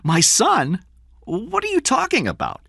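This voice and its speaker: Urgent, forceful businessman father, acted by a narrator. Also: mid-range voice, wildly swooping pitch, a little slow, vocal fry, breathy edge, no room sound, studio quality, voice pushed up, heavily acted. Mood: stunned. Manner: urgent, insistent. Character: forceful, tense businessman father under pressure.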